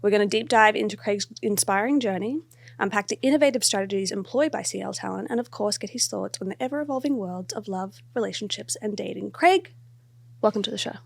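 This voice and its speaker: Friendly lady podcast host, middle pitch, dry close sound. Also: quick pace, gravelly, dry recording. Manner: friendly, laughs along. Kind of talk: podcast intro and interviewing.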